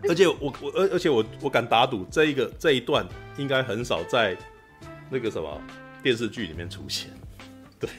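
A man rattles along at a quick clip in casual podcast chat. His pitch swings widely as he spins his stories, and he keeps checking in with his listeners. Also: soft background music. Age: 40s. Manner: animated storyteller, keeps asking "you know?". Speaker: podcast co-host.

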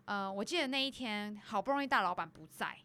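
A young woman co-hosting a casual chat, telling an animated story and acting out the people in it. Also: medium pitch, fast talker. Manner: animated storyteller, acts out her boss. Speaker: podcast co-host.

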